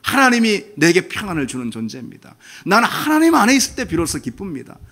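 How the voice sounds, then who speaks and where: Animated Korean pastor preaching, lively pitch. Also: male voice, fast talker. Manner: animated, acts out God's anguished questions in a raised voice; conversational, asks the congregation questions. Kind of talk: sermon.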